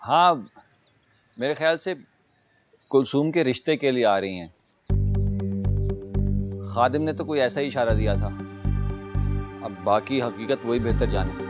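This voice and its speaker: A man's voice: mid-range voice, lively intonation, unhurried, pauses often, over loud music, lightly acted. An actor playing a respectful, hesitant male servant, in Pakistani Urdu. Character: deferential male household servant. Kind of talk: TV drama acting.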